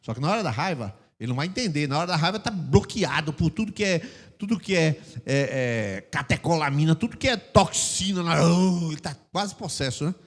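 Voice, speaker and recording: Animated older Brazilian pastor in a big reverberant hall. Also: male voice, on the high side, brisk. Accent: Brazilian Portuguese. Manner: animated, acts out quarrels with sudden shouts and mock voices. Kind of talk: sermon. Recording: long church reverb.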